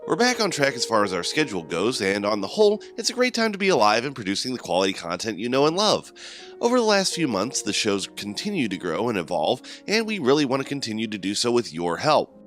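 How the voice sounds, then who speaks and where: A man's voice: medium pitch, huge pitch swings, fast talker, a bit bright, faint music behind. A man who creates and narrates a podcast, reading from a script in a polished, prepared style. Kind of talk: scripted announcement and story narration.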